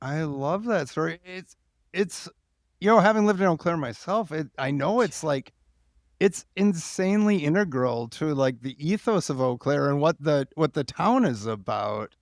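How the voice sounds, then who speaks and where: An American man hosts a casual interview in a slightly high voice with very lively, swinging pitch. He is enthusiastic and rambles into joking asides. The sound is dry. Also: moderate pace, no room sound. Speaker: podcast host, interviewer.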